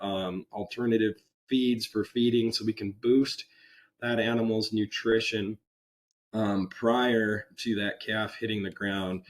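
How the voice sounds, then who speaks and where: A man with a voice still hoarse from a cold, giving a webinar presentation over a computer microphone in a relaxed, unpolished way with frequent ums and uhs. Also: mid-range voice. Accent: American. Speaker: extension presenter. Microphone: computer microphone on a video call.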